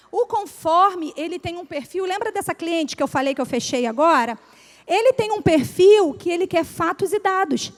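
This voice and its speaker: A woman with a Brazilian Portuguese accent gives a lively motivational business talk to a live audience. She asks the listeners questions and acts out everyday examples. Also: very high voice. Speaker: speaker at a business breakfast talk. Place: event room with audience. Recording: live hall with long reverb.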